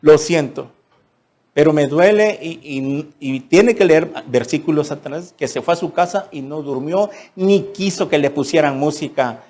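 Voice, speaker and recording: A man preaches a sermon, his voice sitting fairly high. He reads scripture and then retells it dramatically in everyday speech, slipping into the characters. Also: moderate pace, hardly any pauses, a little mellow. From Mexico. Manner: dramatic, acts out the king and Daniel in voices; reads scripture aloud then explains it plainly. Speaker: pastor.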